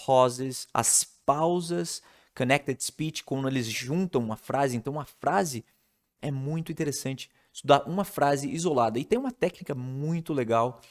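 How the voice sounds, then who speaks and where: A man's voice: mid-range voice, normal speed. A man from Brazil gives a casual video lesson on how to learn English. He explains it step by step and keeps checking in with the listener. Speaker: English teacher.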